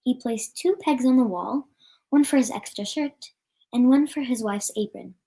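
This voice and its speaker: A woman reading a storybook aloud in a plain, somewhat halting manner. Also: fairly high pitch, mellow. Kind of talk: read-aloud storybook narration.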